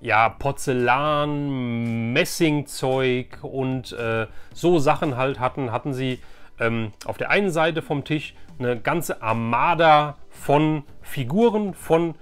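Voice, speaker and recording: A middle-aged man hosting a casual, chatty toy-collecting vlog in a rambling, enthusiastic way. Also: mid-range voice. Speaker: host of a vintage toy collecting channel. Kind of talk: casual chatty flea market haul vlog. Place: room at home.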